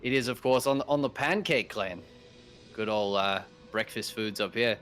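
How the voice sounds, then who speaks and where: A man's voice: fairly low pitch, moderate pace, fairly bright tone. A male co-caster commentating a game in a put-on Australian accent, with teasing, laid-back banter. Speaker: esports co-caster. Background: faint music.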